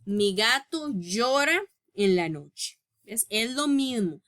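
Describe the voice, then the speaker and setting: Woman, English teacher, unhurried, bright tone, patient step-by-step explanations. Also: a little high, lively intonation. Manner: reads English rules slowly and deliberately. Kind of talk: recorded grammar lesson.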